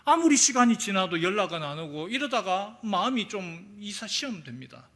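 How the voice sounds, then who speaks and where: Animated high-voiced male pastor preaching. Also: normal speed. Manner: animated storytelling, acting out quotes. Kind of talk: sermon. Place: church sanctuary.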